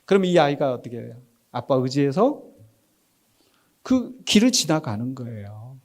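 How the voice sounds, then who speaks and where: A middle-aged man preaching a Sunday sermon in a conversational, animated way, asking the congregation questions and answering them himself. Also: medium pitch, normal speed. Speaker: pastor. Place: church sanctuary.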